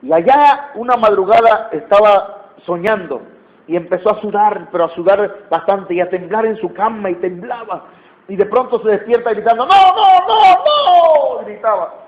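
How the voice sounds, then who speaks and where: A man's voice: high-pitched, normal speed. A Mexican man preaching a sermon, emphatic, repeating key phrases and questioning his listeners. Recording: tinny phone-like sound.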